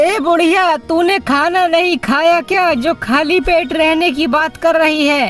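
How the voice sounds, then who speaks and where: A cartoonish character voice that sounds female, extremely high in pitch, goes at a fairly slow pace with hardly any pauses over clear background music. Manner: coarse, blunt.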